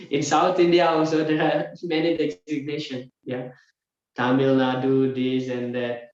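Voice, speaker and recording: A man teaching a scripture class, explaining verse by verse and often filling pauses with "yeah" and "uh". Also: fairly high pitch, level tone. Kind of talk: scripture lecture. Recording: very echoey room, dull lo-fi sound.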